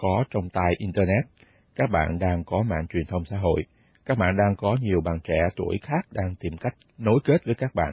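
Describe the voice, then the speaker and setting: With lively intonation, a man speaks in a fairly low pitch that sounds somewhat breathy. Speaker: international organization official. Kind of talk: interview.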